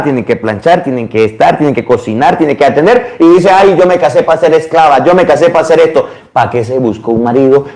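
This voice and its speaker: A man, a priest giving a sermon, telling a story in lively detail and acting out the people in it. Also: fairly high pitch. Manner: animated storytelling, quoting people in changed voices.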